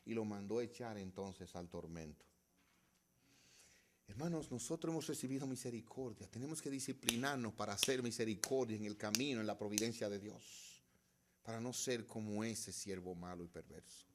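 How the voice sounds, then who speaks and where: A middle-aged male pastor preaching a sermon, swinging between loud, emphatic passages and hushed ones, and asking the congregation rhetorical questions. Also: on the low side, moderate pace.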